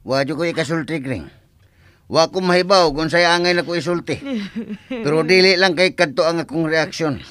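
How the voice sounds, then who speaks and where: Low-toned, nervous Bisaya village woman, acted by a woman. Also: moderate pace, a bit bright. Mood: amused, confiding. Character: nervous, stammering village woman, easily rattled. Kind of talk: Bisaya radio drama comedy acting.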